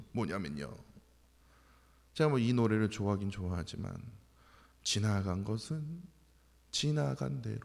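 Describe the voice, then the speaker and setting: Animated, gravelly-voiced male pastor preaching. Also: on the low side, big-room sound. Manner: animated preaching with rhetorical questions and acted-out quotes. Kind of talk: early-morning sermon. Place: church sanctuary.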